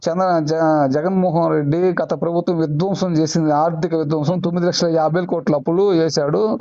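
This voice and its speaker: Caller, male, Prakasam district Telugu accent, on a muffled landline phone line, soft warm tone, keeps circling back to his grievances. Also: a little high, fairly even intonation, brisk. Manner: heated, repetitive complaining. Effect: heard over a landline phone. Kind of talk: casual phone conversation.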